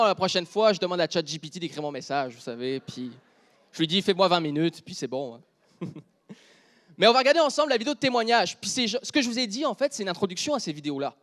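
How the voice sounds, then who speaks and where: A man with a Quebec French accent preaching a sermon, dropping to a near whisper and then joking loudly with the congregation. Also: high voice, animated, brisk. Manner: shifts from quiet intimate speech to loud joking with the congregation.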